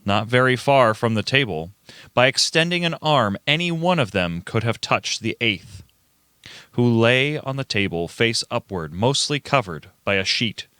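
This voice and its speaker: Amateur male narrator for a radio play reading: bright voice, mid pitch, dry close recording. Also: smooth, dry recording. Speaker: narrator and reader of all parts.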